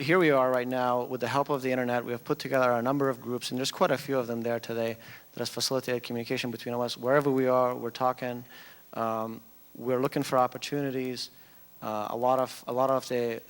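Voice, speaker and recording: A man giving an informal, unscripted public speech in a halting way, often repeating and rephrasing himself. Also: mid-range voice, clear, resonant tone. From United States (Massachusetts), Afghan-born family. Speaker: community group speaker. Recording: long hall reverberation.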